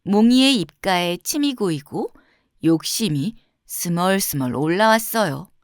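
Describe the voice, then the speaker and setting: A woman narrating a scripted fairy tale for children in a gentle, expressive storytelling manner with clear phrasing. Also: fairly low pitch, measured pace, no room sound, clean studio sound.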